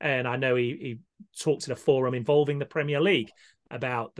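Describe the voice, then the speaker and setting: A man with a British accent at medium pitch, dry and close with no echo, over a quiet background. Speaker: freelance sports broadcaster. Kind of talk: casual interview chat. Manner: hesitant, repeats words.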